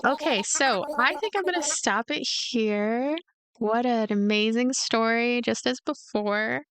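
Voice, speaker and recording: A woman's voice: fairly high pitch, unhurried, a bit bright, clear, resonant tone, no room sound. A woman doing let's play commentary, moving between story narration and her own casual remarks. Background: background game music.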